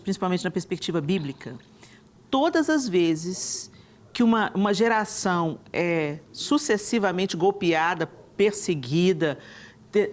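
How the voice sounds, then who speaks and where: A woman hosting a TV talk show from a studio, speaking enthusiastically with frequent restarts and tag questions. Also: lowish voice. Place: television studio.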